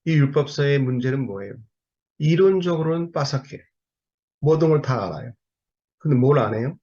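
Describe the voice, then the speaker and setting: Husky-voiced man preaching a sermon. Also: medium pitch, animated, normal speed, dark tone, lo-fi sound. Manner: emphatic rhetorical questions to the congregation.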